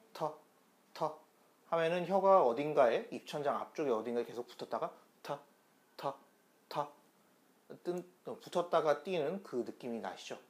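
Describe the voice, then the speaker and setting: A man with a fairly high voice teaches pronunciation online in a chatty manner. He explains each step and repeats demonstration sounds.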